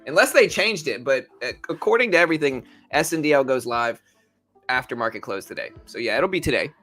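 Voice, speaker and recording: A man's voice: mid-range voice, animated, fairly quick, pushed and bright, soft background music. A man in his thirties hosting a casual trading livestream, laid-back and rambling, full of slang. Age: 30s. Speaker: livestream host. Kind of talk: casual livestream chat about stocks.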